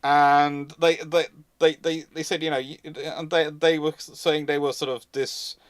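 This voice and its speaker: A man in his thirties hosts a casual group chat in a fairly high voice. He speaks haltingly, doubling back over words. The sound is dry, with little room around him. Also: flat delivery, smooth, no echo. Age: 30s. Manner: halting, repeats words as he goes. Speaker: host and university lecturer.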